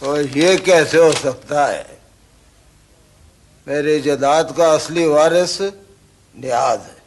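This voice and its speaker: An actor with a Pakistani accent playing a proud, stubborn landowner in a television drama, indignant and emphatic. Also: male voice, fairly high pitch, lively intonation, unhurried, husky, exaggerated voice. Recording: old TV drama soundtrack with music.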